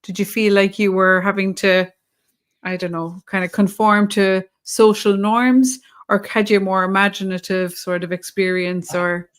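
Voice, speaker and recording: A woman's voice: mid-range voice, level tone, moderate pace, smooth. A woman co-hosting a podcast who asks probing questions in a loose, hedging way, full of "like" and "kind of". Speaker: podcast co-host. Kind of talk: casual podcast chat.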